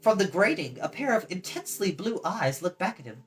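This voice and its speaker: Lively woman narrating a story, lowish pitch. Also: a little fast. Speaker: storytime host and reader.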